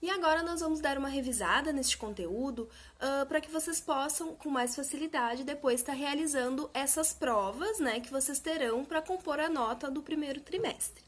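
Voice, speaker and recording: A woman teacher with a high voice records a lesson for young pupils. She speaks patiently and draws out example words slowly, hitting the stressed syllable hard. Her tone stays simple and encouraging, aimed at children. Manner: slow, patient, exaggerated syllable emphasis. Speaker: primary school teacher.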